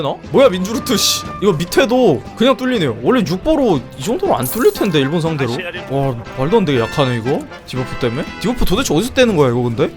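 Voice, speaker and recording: A young man commenting on a strategy game as a streamer, exclaiming and swearing casually. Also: fairly high pitch.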